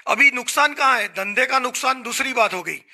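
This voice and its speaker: A man's voice: very high-pitched, normal speed, bright, forceful tone. A middle-aged man with an Indian accent, a hotel association guest on a talk show, explaining earnestly into a handheld mic in a small studio. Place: small studio set, indoors.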